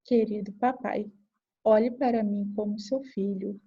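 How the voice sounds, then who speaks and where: Woman reading as an earnest young man, plain and slow, muffled recording. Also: mid-range voice, steady tone, mellow, slightly rough.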